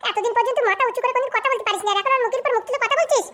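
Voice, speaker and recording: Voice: very high-pitched, very fast, pushed and bright, slight background noise. A performer voicing a greedy, pushy old grandmother in a comedy cartoon, nagging and quarrelsome. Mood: indignant.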